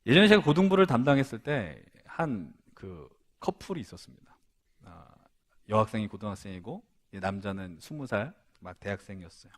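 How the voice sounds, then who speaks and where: A man who is a pastor, preaching to a young adults' service in a conversational way, asking the congregation questions, acting out quoted dialogue and moving between loud emphatic lines and soft low asides.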